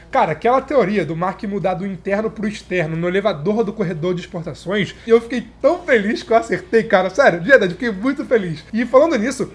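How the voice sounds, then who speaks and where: A Brazilian man with a stuffed nose and sore throat, chatting enthusiastically as he reviews a TV series for his viewers. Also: high-pitched. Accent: Brazilian Portuguese. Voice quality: nasal, stuffy. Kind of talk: casual video commentary.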